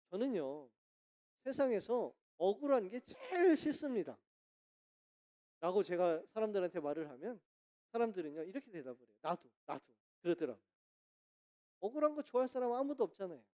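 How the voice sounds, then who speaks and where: A woman pastor preaching a sermon in church, lively and asking the congregation questions. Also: mid-range voice, fairly quick, pauses often. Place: church sanctuary.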